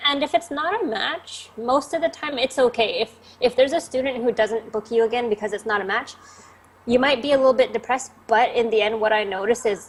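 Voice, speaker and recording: A woman's high voice at a fairly quick pace, ordinary pitch variation, against noticeable background noise. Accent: Canadian. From western Canada (Vancouver, British Columbia). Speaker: online English tutor. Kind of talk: interview. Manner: fast.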